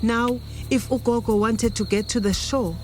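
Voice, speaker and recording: An actress playing a grave granddaughter of healers, telling her story in a measured, emphatic way. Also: on the high side, steady tone, soft background music, natural voice. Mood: solemn, mournful. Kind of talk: dramatic storytelling monologue.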